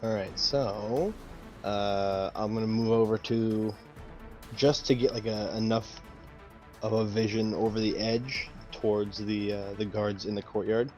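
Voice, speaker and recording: A man playing a tabletop game, chatting casually and haltingly as he thinks aloud. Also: on the low side, steady tone, a little mellow, soft background music.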